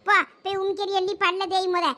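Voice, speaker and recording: Lady playing a grumbly bossy village mum, thoothukudi accent, high and quick. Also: little pitch movement, fairly bright tone. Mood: grumbling. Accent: Thoothukudi Tamil. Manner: scolding, grumbling.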